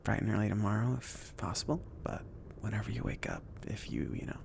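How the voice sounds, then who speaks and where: A man playing a chill, considerate mage in an ASMR fantasy roleplay, speaking softly in a casual, hesitant, reassuring way. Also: lowish voice, big pitch swings, a little fast, gravelly, exaggerated voice. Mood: gentle, reassuring. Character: chill, considerate mage sending an apprentice on errands.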